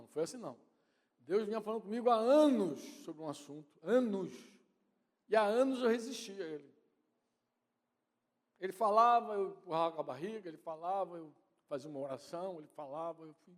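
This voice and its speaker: A man's voice: high-pitched, in a large hall. A man with a Brazilian Portuguese accent preaching a sermon in a conversational way, often addressing his congregation and his wife directly. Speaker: pastor. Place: church hall.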